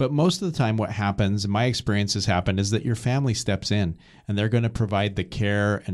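A man with a normal speaking voice and a fairly low pitch talks at a fairly quick pace with ordinary pitch variation on a very clean recording with a silent background. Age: 50s. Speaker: estate planning lawyer. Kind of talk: podcast discussion.

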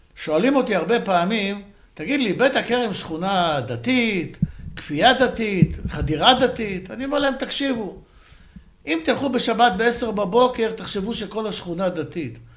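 A man with a high pitch speaks at a moderate pace with lively intonation. Audible room echo surrounds the voice. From Israel, Jerusalem. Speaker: podcast co-host. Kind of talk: casual interview.

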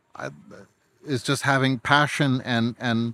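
The speech comes at a moderate pace with monotone, flat intonation, in a very clean recording with a silent background and a dry, close sound with no echo. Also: man. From Toronto, Canada. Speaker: UX design expert. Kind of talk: casual chat. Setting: outdoors on a bar rooftop.

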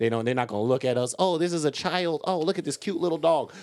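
A man's intonation is lively. He speaks very fast. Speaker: podcast co-host. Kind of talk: casual banter. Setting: podcast recording. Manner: joking, swearing, animated.

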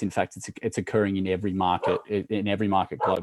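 This man has an Australian accent. His pitch is fairly low. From Sydney, Australia. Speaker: venture capital investor. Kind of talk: interview. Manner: halting, many repeated words.

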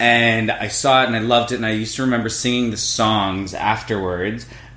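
Noticeable background noise sits behind a man speaking at medium pitch. He talks at a fairly quick pace with fairly even intonation. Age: 30s. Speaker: theater actor. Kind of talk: casual interview.

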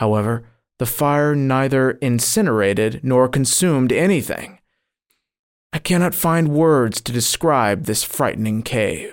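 A man talks at a fairly slow pace in a normal speaking voice of medium pitch. The recording is very clean, with a silent background. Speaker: audiobook narrator. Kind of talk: dramatic narration of a vision. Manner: hushed, solemn, ominous; building dread, slow and intense.

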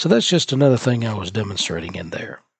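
A man with a Southern US accent speaks at a medium pitch, somewhat breathy, with ordinary pitch variation. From US South, Georgia. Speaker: blind listener, computer hobbyist. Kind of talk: recorded audio contribution, software demo.

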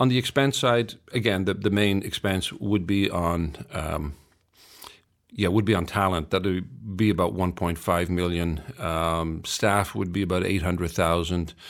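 A man with an Irish accent and a very deep, low pitch talks at a fairly slow pace with ordinary pitch variation. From Ireland. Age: 60s. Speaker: festival producer. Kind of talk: interview.

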